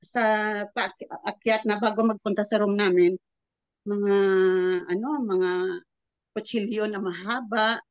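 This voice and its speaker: A woman in her seventies sharing a personal testimony with a prayer group. She tells it in a halting, rambling way and acts out the quoted dialogue. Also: medium pitch, steady tone, dry recording, highs cut off. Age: 70s. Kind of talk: personal testimony, casual storytelling.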